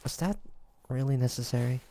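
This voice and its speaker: Man acting a halting, gravelly young demon hunter. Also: mid-range voice, mellow, a little hiss or hum, close to an everyday voice. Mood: curious, probing. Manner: halting, murmured musing, stammers when flustered. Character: young male demon hunter of 1853, hesitant, gentle, curious. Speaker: voice actor in an audio roleplay. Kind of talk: intimate audio roleplay acting.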